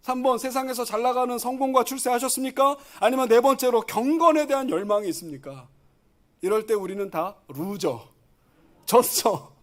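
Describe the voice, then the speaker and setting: A male pastor preaching a sermon, animated and full of rhetorical questions to the congregation. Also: extremely high pitch, brisk.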